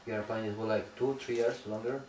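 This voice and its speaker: A man's voice: on the low side, steady tone, quick pace, darkish tone. A man who is not a native English speaker, asking casual interview questions with brief informal interjections. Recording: distant mic, echoey room, faint noise.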